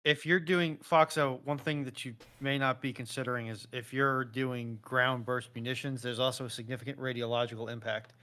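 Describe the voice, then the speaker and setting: A man's voice: mid-range voice, a bit bright. A man chatting casually as a participant on a live stream, addressing viewers and technical matters. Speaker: live stream participant handling chat and tech.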